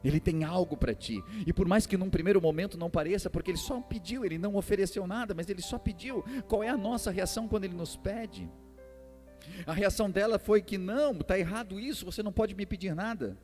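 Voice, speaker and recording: Male preacher, Brazilian accent, slightly high voice, conversational sermon, emphatic repetition, long hall reverb. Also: fast, darkish tone. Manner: conversational, repeats phrases for emphasis. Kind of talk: sermon retelling a Bible story, acting out dialogue. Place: church hall during a service. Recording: echoey hall reverb with music behind.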